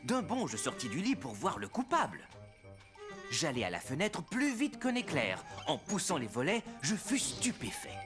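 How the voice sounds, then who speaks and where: A man playing a warm, patient father in a French-dubbed children's cartoon, expressive like a storyteller. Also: on the high side, moderate pace, over music. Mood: hushed, dramatic storytelling.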